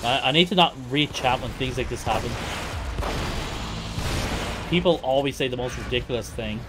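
A man's voice: medium pitch, normal speed, noisy background. A man giving casual live gameplay commentary as a speedrunning streamer, talking to himself in repetitive, sweary bits.

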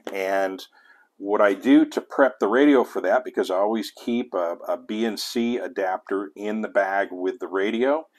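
A middle-aged American man hosting a casual hands-on tutorial, talking conversationally and thinking aloud as he corrects himself. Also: on the low side. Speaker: host of an amateur radio tutorial series. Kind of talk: casual hands-on demonstration talk.

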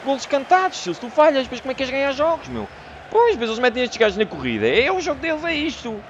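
A man with a European Portuguese accent giving excitable, shouting commentary while playing a football game. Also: very high-pitched, fast, lo-fi sound, a little hiss or hum. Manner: excitable, shouts at the game, calls players by name. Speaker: gamer. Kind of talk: gameplay commentary.

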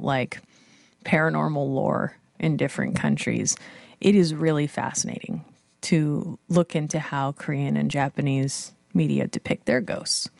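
A young woman with a low, gravelly voice chats on a podcast. She rambles, hedges with fillers and pokes fun at herself. The sound is dry and close. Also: darkish tone, no echo. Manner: rambling, self-deprecating, frequent fillers. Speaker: podcast co-host. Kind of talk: casual chat about comics.

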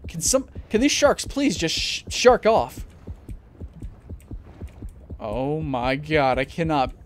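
A young man commentating his gameplay at a desk mic at home, jumpy and swearing, often breaking into panicked shouts. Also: fairly high pitch, sing-song, slow pace, slight background noise. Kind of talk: let's play commentary.

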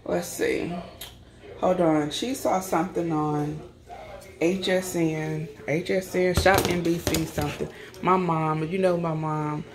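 A woman's voice: on the low side, steady tone, takes it slowly, a crowd in the background. A middle-aged woman chatting casually and informally to her viewers as a home lifestyle vlogger, recorded indoors on a handheld camera. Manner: informal, addresses viewers directly. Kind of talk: casual vlog chat. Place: indoors in a house. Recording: clearly noisy home recording, clicks.

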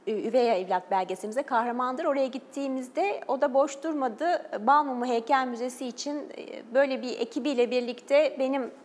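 A woman's voice: high-pitched, brisk, hardly any pauses, a little mellow, in a large hall. A woman, a journalist and documentary maker, speaking earnestly as a TV interview guest, with fillers and short laughs. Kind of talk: TV interview talk.

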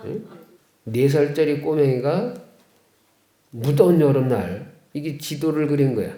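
A folksy priest in an echoey chapel. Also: male voice, on the high side, lively intonation, measured pace, dark tone. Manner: folksy, asks the congregation questions. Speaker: Catholic priest. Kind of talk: homily. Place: chapel of a care center. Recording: echoey room.

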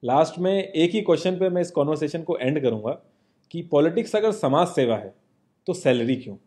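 Young man, earnest and informal, slightly high voice, mellow tone, seated studio monologue. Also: animated, brisk. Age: young adult. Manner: earnest, informal, addresses the viewer as "yaar". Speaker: social commentary presenter. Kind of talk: scripted monologue to camera. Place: indoor home studio, seated.

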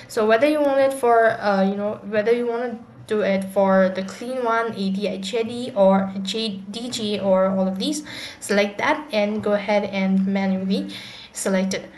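An echoey, noisy home-style recording of a woman hosting a how-to tutorial. Her voice sits at a middle pitch. She explains each step haltingly, often repeating her phrases. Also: a little mellow. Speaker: tutorial host. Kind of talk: explanatory screen tutorial voice-over. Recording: echoey room with clear background noise.

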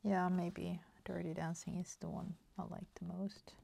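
Soft-spoken Swedish woman, slow and gravelly. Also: on the low side, level tone. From Sweden. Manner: soft-spoken, slips into whispers, many fillers. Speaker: crafting channel host. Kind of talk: casual chat while crafting. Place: home craft table, indoors.

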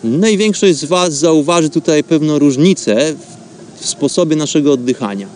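A man with a slightly higher-pitched voice speaks as a radio host guiding listeners. He explains in an instructional monologue, sometimes pausing to find his words. A faint noise sits behind his voice. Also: darkish tone. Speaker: host of a radio show on meditation.

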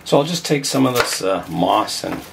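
Thinking aloud while he works with his hands, an older man hosting a bonsai channel chats casually from a glass greenhouse, his voice hoarse from a cold. It's lowish and expressive, at a normal speed. The audio is very noisy.

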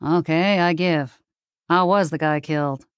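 A woman's voice: low-pitched, a little slow, clear, resonant tone, no room sound, clean studio sound. A woman voicing the ghost of a wisecracking, slangy 1940s male detective in an audiobook. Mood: exasperated, impressed. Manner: wisecracking old-time gangster slang. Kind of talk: audiobook character dialogue.

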